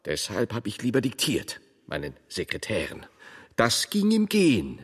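A man playing a very fat, earnest and pedantic medieval monk in an audio drama, with a husky, hesitant delivery. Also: lowish voice, wildly swooping pitch, moderate pace, exaggerated voice. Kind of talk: theatrical German audio drama dialogue. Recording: long reverberant hall.

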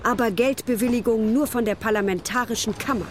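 A woman playing a solemn chorus voice, reciting measured verse in a literary radio play. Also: fairly high pitch, slight background noise, close to an everyday voice.

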